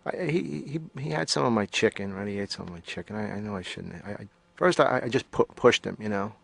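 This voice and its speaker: Brash rambling patient, gravelly, dead-dry recording, cartoon. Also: male voice, fairly low pitch, lively intonation, fast talker, dry recording, exaggerated voice. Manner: loud, jokey, rambling. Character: brash rambling male patient, cocky and defensive. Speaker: therapy patient. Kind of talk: stand-up style rant.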